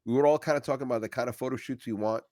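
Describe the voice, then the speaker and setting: A man with a mid-range voice co-hosting a podcast, telling stories in lively casual chat. He stammers now and then and acts out what people said. The sound is dry and close. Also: medium pitch, rapid-fire, no echo. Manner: animated storyteller, stammers, acts out quotes. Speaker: podcast co-host.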